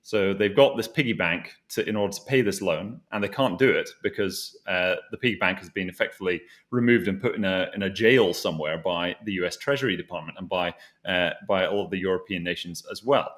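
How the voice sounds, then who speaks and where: A man's voice: deep voice, brisk, a bit bright. A man hosting a conversational financial discussion, explaining things as he goes and often rewording his phrases. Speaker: host asking a co-presenter for his thoughts.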